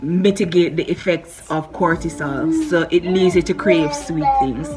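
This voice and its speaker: Background music can be heard. A woman talks with a fairly low pitch. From Jamaica. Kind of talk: casual talk to camera.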